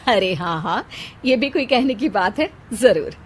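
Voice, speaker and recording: A woman voicing a gentle older sister. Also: medium pitch, lively intonation, a little slow, slight background noise, natural voice. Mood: kind. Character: kind, self-sacrificing older sister. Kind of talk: storybook character voice.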